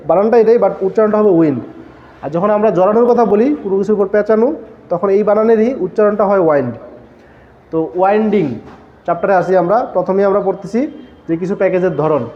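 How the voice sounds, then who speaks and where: With a high voice on a muffled recording, this man gives a textile engineering lecture, walking through each step and answering his own questions to the class.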